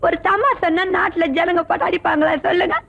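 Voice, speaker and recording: A woman's voice: very high-pitched, fairly even intonation, fast talker, creaky. An actress playing a naive, giggling young maid who wails as she talks, in comic film acting. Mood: tearful. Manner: wailing laughter-through-tears. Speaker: household helper. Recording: dull lo-fi film soundtrack.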